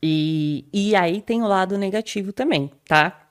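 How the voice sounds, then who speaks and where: A woman's voice: mid-range voice, unhurried, no echo, clean studio sound. A woman, a podcast guest chatting casually and telling stories with lots of laughs and fillers. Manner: animated storyteller, laughs often, many fillers. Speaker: guest neuropsychologist.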